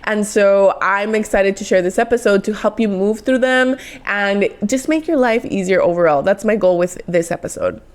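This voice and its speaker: A woman in her twenties with a Mexican accent, hosting a motivational solo podcast in an earnest, encouraging way, often speeding up in quick bursts. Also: mid-range voice. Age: 20s. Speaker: podcast host.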